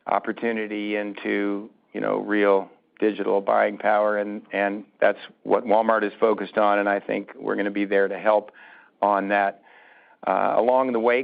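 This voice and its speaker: Halting, gravelly man on a phone line. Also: on the low side. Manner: halting, deliberate, often restarting phrases. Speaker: company executive answering questions. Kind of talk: unscripted answers on an earnings call. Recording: muffled narrowband phone conference line.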